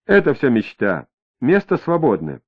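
A man voicing a capricious young woman who drifts between dreamy drawling and sharp, greedy retorts, in an audiobook reading with a tinny, phone-like sound. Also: mid-range voice, huge pitch swings, normal speed, breathy edge.

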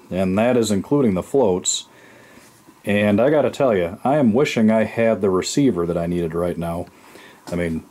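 A middle-aged man giving a casual, rambling hands-on review of a model airplane in his home workshop, talking through a camera mic with lots of fillers. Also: fairly low pitch. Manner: relaxed, rambling, many fillers.

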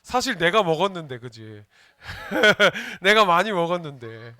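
A junior pastor with a high, sing-song voice gives a playful children's sermon at a measured pace, his tone sharp. He keeps asking the kids questions and joking with them. The studio recording is clean, with no echo.

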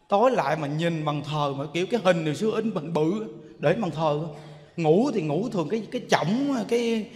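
A Buddhist monk with a Southern Vietnamese accent gives an emotive sermon in a storytelling way, often speaking straight to his listeners. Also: high-pitched. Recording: long hall reverb.

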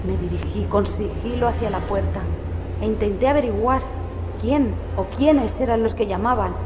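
High voiced woman reading a horror audiobook, really intense and theatrical, music behind her. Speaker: audiobook narrator. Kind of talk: dramatic first-person horror narration. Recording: echoey long reverb, music behind.

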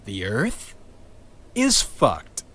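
A man's voice: lowish voice, wildly swooping pitch, drawn-out words, a bit bright, slightly rough, exaggerated voice. An actor playing a blunt, bitter crew member in an audio drama, swearing as he lays out bad news.

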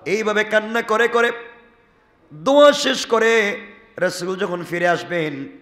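A man preaching a Friday sermon, swinging from hushed storytelling to loud emotional calls and asking the congregation questions. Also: high voice, slow pace. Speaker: Islamic preacher. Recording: echoey hall.

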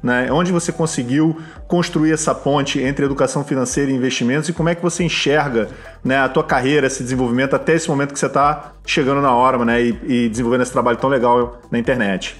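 Fast-talking man in his thirties co-hosting. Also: mid-range voice, fairly even intonation, faint music behind. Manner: chatty, many fillers. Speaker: co-host. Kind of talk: asking interview questions. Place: home room with bookshelves. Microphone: earphone mic on video call.

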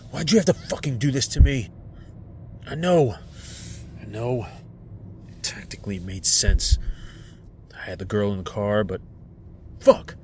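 A man's voice: mid-range voice, a little mellow, slight background noise, lightly acted. A man playing a tough, blunt, protective federal agent in an audio drama, with a terse delivery. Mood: anguished. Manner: terse, curt.

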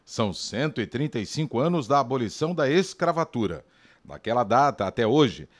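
A man reading a scripted news report in a measured newsreader delivery. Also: medium pitch.

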